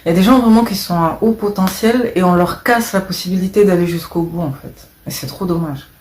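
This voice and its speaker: A woman chatting casually to camera, rambling and hesitant, often trailing off softly. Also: fairly low pitch, fairly quick, reverberant, slight background noise. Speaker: vlogger.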